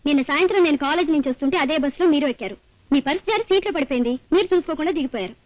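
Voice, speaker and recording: An actress playing a self-assured young college student who speaks politely and composedly, on an old film soundtrack. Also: female voice, high voice, expressive, racing, dry recording, rough recording. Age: young adult.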